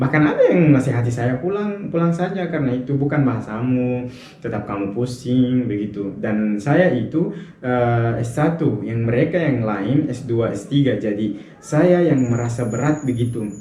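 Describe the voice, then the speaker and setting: Noticeable background noise and audible room echo surround this recording. A man speaks at a medium pitch and a moderate pace with lively intonation. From Sudan. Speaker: international student vlogger. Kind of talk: personal vlog. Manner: halting, many fillers and restarts.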